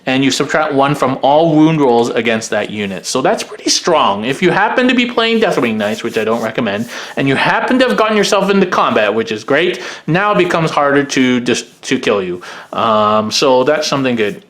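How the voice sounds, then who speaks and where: A man with a middle-pitched voice talks casually through a rulebook as a hobby channel host. He is frank and opinionated, thinking aloud as he weighs each point. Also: expressive, moderate pace, fairly bright tone. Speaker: host of a tabletop wargaming channel. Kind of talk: casual commentary, reading through a game rulebook.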